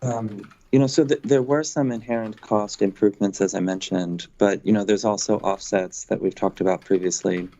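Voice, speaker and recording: Gravelly, mellow low-voiced executive man. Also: steady tone, normal speed, few pauses. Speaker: company executive on an earnings call. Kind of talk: business briefing, answering analyst questions. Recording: dull, lo-fi conference call audio.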